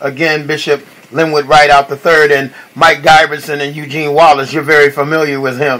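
Noticeable background noise accompanies this recording. A man talks at a moderate pace with a fairly high pitch. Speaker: ministry leader. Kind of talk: church announcements. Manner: halting, many fillers and repetitions.

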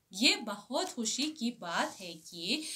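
Over a quiet background, a woman with an Uzbek accent speaks with very wide pitch swings. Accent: Uzbek-accented Hindi. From Uzbekistan. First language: Uzbek (speaking Hindi). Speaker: research scholar. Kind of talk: prepared address. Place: home room. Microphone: phone near.

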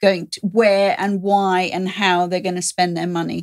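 Against a quiet background, a woman with a London accent talks at a moderate pace and a medium pitch. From England, London. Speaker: hospitality executive; podcast guest. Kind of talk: interview. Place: studio. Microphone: studio mic.

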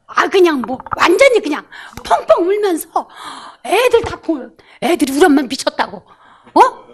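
A woman speaks at a fairly slow pace, her pitch swinging very widely. The background is quiet. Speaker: cancer patient participant. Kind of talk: testimony. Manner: excitable. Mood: emotional, moved. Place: hall. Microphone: handheld.

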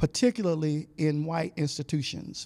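Against a quiet background, a man with a Southern US accent speaks at a high pitch in a dark, mellow tone with ordinary pitch variation. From North Carolina. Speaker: music professor. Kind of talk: panel discussion, partly reading aloud. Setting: conference stage with audience. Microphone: handheld.

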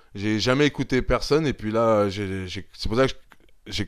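At a moderate pace, a man speaks with a fairly low pitch on a very clean recording with a silent background. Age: 30s. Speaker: jiu-jitsu competitor. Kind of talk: casual chat. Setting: home dojo. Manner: animated.

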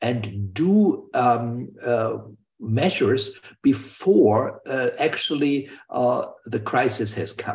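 Against a quiet background, a man speaks with lively intonation in a somewhat breathy voice. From Germany. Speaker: risk researcher; conference panelist. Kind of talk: panel discussion. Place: home room. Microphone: video call.

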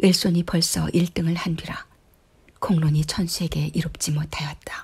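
Moderate in pace, the delivery has a somewhat breathy quality. The intonation holds fairly even. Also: woman. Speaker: audiobook narrator. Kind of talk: literary fiction reading for sleep.

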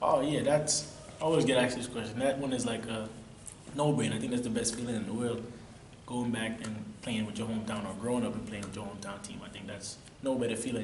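The speech comes at a very fast pace with fairly even intonation, audible room echo and light background noise. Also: man. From US, New York (the Bronx). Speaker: footballer. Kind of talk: interview. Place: meeting room. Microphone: phone near.

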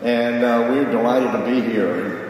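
There is strong room echo and light background noise as a man talks in a fairly low pitch. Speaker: astronaut. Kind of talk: festival stage talk. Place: hall. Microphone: pa.

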